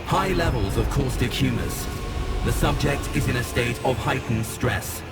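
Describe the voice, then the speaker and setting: Gravelly metallic robot guardian. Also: male voice, medium pitch, normal speed. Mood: cold, dutiful. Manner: clipped, formal machine reports. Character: mechanical male guardian sentinel unit. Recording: voice over loud game music.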